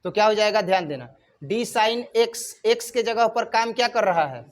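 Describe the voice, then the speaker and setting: A man's voice: sits high, lively intonation, moderate pace. A male maths teacher at a whiteboard, asking his students questions and then answering them himself, going over key terms more than once. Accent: Hindi-speaking north Indian. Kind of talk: whiteboard lecture.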